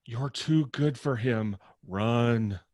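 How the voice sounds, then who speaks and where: A man's voice: mid-range voice, extremely slow, a little mellow. A man playing a sardonic, gossipy gay roommate in his twenties in a table read, with a dry, teasing manner. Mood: playful.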